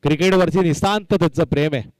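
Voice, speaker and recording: Male cricket commentator, smooth resonant voice pitched a little high, emphatic live delivery. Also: fast talker, darkish tone, no room sound, rough recording. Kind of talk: live local tournament cricket commentary with announcements.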